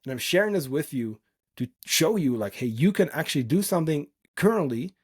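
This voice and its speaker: A man's voice: fairly high pitch, animated, a little fast, a little mellow, breathy edge. A man from the Netherlands, a native Dutch speaker, hosting a solo podcast and coaching in an informal, earnest, emphatic and unscripted way.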